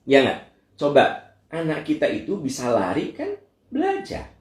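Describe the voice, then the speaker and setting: A man's voice: mid-range voice, moderate pace, echoey room. A middle-aged male Islamic preacher, answering questions in a lecture and talking straight to his listeners. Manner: animated, voice leaps up for emphasis, talks to listeners directly. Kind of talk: Q&A religious lecture.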